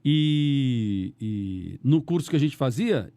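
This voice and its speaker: A middle-aged Brazilian man, a radio announcer, chatting on a podcast in a rambling, animated way with many restarts. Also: mid-range voice, slow pace, dry recording. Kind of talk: casual podcast conversation.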